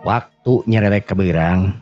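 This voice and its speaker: A man with a Sundanese accent and a gravelly, husky voice, telling a serial drama in an unhurried, conversational way. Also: low voice. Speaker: storyteller and channel host. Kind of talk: oral storytelling of a serial folk drama. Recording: muffled recording with music underneath.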